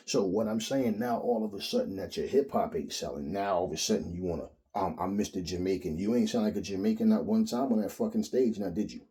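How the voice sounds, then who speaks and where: A man with a lowish, mellow voice, ranting on his own about boxing. He talks bluntly and profanely, with lots of animated emphasis. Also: fast, few pauses. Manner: blunt, profane, animated, mimics others in quotes. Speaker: boxing commentary host. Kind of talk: opinionated solo rant.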